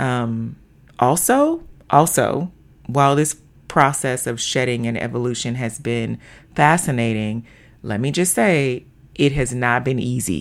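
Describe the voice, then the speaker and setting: Speaking at a fairly slow pace with long, frequent pauses, a woman with a Southern US accent has a very deep, low pitch. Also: ordinary pitch variation. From US South, Arkansas. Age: 50s. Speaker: podcast host, mental health counselor. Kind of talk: personal monologue.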